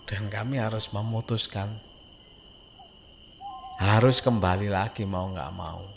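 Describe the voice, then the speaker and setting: A man's voice: lowish voice, fairly even intonation, takes it slowly, vocal fry, noisy background. A man with an East Javanese Indonesian accent tells a scary story informally, conversational and suspenseful, repeating phrases for emphasis. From Indonesia, a Javanese-speaking village. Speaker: horror story narrator. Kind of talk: informal spoken ghost storytelling.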